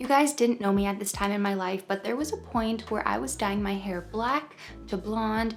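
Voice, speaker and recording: Music plays in the background as a woman with an American accent speaks at a medium pitch. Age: 20s. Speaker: beauty vlogger. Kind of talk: casual vlog storytelling. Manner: calm.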